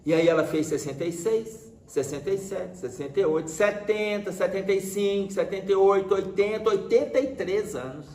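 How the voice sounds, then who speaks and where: A man's voice: high-pitched, normal speed, few pauses. A man with a Brazilian Portuguese accent, telling a story conversationally in a religious study talk and acting out dialogue. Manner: lively, conversational retelling with acted-out dialogue. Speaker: spiritist study speaker. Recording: roomy echo with faint background hiss.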